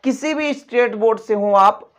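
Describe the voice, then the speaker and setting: A patient, repetitive coaching-class physics teacher. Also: male voice, very high-pitched. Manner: repetitive, coaxing, addresses pupils as dear children; slowly dictates notes word by word. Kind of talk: Hindi-medium classroom lecture at a board.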